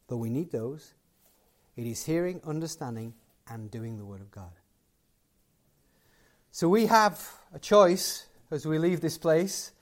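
A man giving a closing sermon and prayer to a live gathering, conversational and building to emphatic points. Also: fairly high pitch. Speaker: guest preacher.

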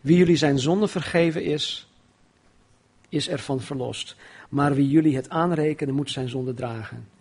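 A man reading the words of Jesus in a story, speaking them in a measured, solemn way. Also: a little high, darkish tone, husky. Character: calm risen Jesus, adult man, gentle authority.

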